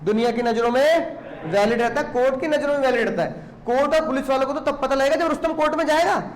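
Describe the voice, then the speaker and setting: A man's voice: extremely high pitch, fast talker. A man teaching a law class, teasing and scolding students with lots of rhetorical questions. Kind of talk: classroom lecture.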